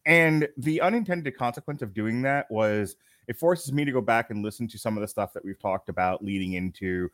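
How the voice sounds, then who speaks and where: A man's voice: on the low side, fairly quick, fairly bright tone, dry recording, clean studio sound. A man hosting a podcast, chatting casually in a jokey, rambling way. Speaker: podcast host. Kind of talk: casual chat.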